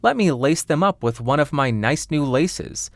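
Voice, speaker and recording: A man's voice: a little high, expressive, normal speed, no room sound, voice pushed up. A man voicing a spiteful queen disguised as an old peddler woman, sing-song and falsely friendly.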